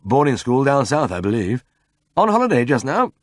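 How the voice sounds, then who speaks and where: A man's voice: medium pitch, very animated, normal speed, no room sound, voice pushed up, lightly acted. A man voicing a tipsy young male vet who articulates each word carefully.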